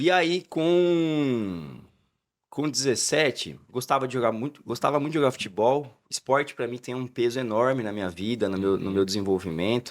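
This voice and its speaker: Lively intonation from a man at medium pitch and moderate pace, on a very clean recording with a silent background. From Campo Grande, Mato Grosso do Sul, Brazil. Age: 30s. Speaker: business owner. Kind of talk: podcast interview. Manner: halting.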